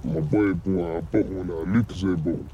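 An anonymous interviewee in a documentary, a man whose voice is disguised and pitched down, talking in a cocky, smug way. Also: fairly even intonation, a little fast, dark tone, muffled recording, a little hiss or hum. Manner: cocky, smug street talk. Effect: disguised voice, pitched down deep.

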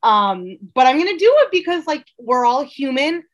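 A woman's voice: sits high, sing-song, moderate pace. A woman in her thirties co-hosting a podcast, talking casually and conversationally. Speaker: podcast host.

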